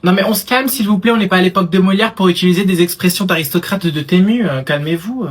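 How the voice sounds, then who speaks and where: A woman playing a snide rival parent who talks fast and mocks. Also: lowish voice, close to an everyday voice. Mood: mocking. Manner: mocking, quick and sarcastic.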